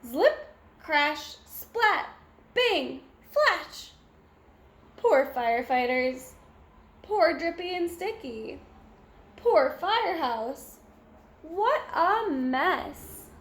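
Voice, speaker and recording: A woman with a high voice reads a picture book aloud for young children. She takes her time and narrates expressively, with animated exclamations. The room around her sounds echoey. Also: extremely slow, long pauses.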